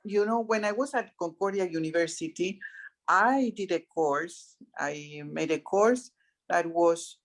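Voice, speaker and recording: An older woman talking in an animated, chatty way on a video call. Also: lowish voice, unhurried. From Italy, Arbëresh community. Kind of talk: casual video call discussion.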